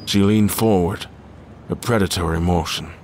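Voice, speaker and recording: A man's voice: low voice, fairly even intonation, moderate pace, a little mellow, a little hiss or hum. A man playing a courteous, guarded admiral in an audio drama, speaking politely and formally. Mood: tense narration. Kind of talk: audio drama acting and first-person narration.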